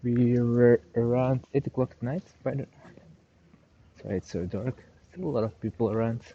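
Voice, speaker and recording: A man's voice: medium pitch, normal speed, breathy edge, phone-quality sound. A Flemish man whose first language is Dutch, chatting casually on a live-stream walking tour of city streets at night and answering viewers' questions with lots of hedging.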